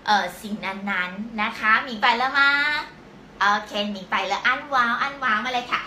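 A woman teaching a live-stream language lesson, patiently explaining step by step and slowly repeating words for learners. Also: a little high, pushed and bright, slight background noise. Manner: slow, drawn-out repetition of words for learners. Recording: echoey room.

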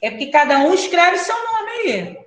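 Speaking with a Brazilian Portuguese accent, a woman teaches a primary class online in a brisk, questioning style, addressing pupils by name. Her voice is very high-pitched and sing-song, and the rough recording has an echoey room sound.

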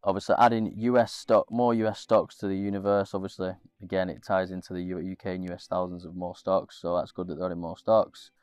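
Young man, low flat voice, nasal. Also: fast talker, hardly any pauses, clean tone. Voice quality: a bit nasal. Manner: rambling, lots of fillers and restarts. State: congested with a cold. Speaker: investing channel host. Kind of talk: casual screen-share walkthrough.

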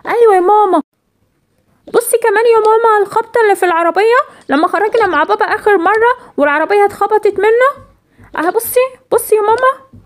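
A woman's voice: very high voice, fast. A woman voicing an eager little girl who chatters insistently, with an Egyptian accent. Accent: Egyptian Arabic. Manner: eager, pleading, breathless chatter.

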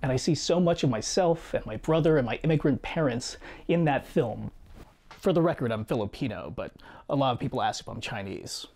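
A man in his thirties reading a scripted personal video essay in a measured, reflective way, seated in a small home studio. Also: mid-range voice, expressive. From United States. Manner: measured, reflective storytelling with quiet asides. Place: small home studio room with guitars and shelves.

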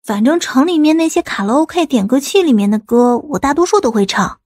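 A woman's voice: high-pitched, animated, brisk, a little mellow, no room sound, studio quality. A woman voicing a teenage village girl in an audiobook, an eager aspiring singer with a girlish manner. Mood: proud.

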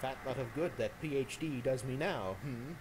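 Brief: man voicing a resigned game scientist, dry deadpan delivery, loud noisy background in the game audio. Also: medium pitch, moderate pace, a crowd in the background, close to an everyday voice. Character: trapped male lab scientist, weary and resigned.

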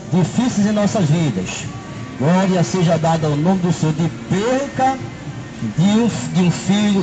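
A middle-aged man preaches outdoors in a city square, his voice sitting high for a man. He holds a handheld microphone and leans on repeated "né" and "não é" tags. Music plays clearly behind him in the open air. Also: low-quality recording. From Brazil. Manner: repetitive, fills with "né" and "não é". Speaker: street preacher.

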